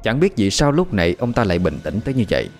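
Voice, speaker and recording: A man's voice: lowish voice, big pitch swings, quick pace, faint music behind. A man narrating a horror audio story in a dramatic storytelling manner.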